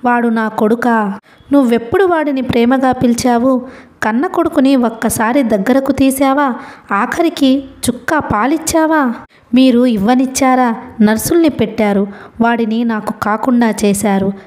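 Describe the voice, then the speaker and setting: A woman's voice: on the high side, normal speed, darkish tone, lightly acted. A woman doing a weeping, bitter mother. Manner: pleading, reproachful. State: crying. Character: grieving middle-aged mother, bitter and tearful.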